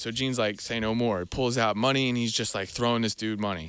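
A man with an American accent, medium-pitched, with a bright, sharp tone, ordinary pitch variation and a fairly quick pace, in a very clean recording against a silent background. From Pennsylvania, Reading, Berks County. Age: 20s. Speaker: podcast host. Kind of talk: casual chat.

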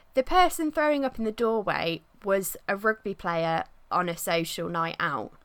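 In a very clean recording with a silent background, a woman with an English Midlands accent speaks at a moderate pace. Her medium pitch moves in very wide swings. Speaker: podcast co-host. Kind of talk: casual chat.

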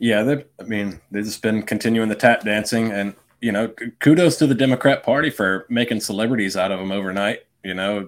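A man speaks in a plain, everyday voice, his pitch fairly low with ordinary variation. The recording is very clean with a silent background. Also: fairly quick pace. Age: 30s. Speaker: podcast co-host. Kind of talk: casual chat.

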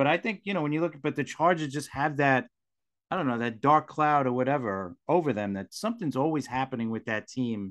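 Using a normal speaking voice, a man talks with a fairly high pitch and lively intonation. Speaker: podcast host. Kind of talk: casual sports podcast chat.

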